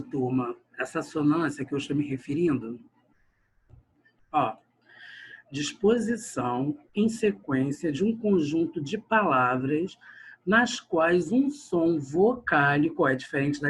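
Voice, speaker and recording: A man's voice: fairly high pitch, expressive, a little slow, a bit bright, breathy edge, rough recording. A male grammar teacher, giving an online lesson and often calling out to his class while he stretches words for emphasis. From Brazil.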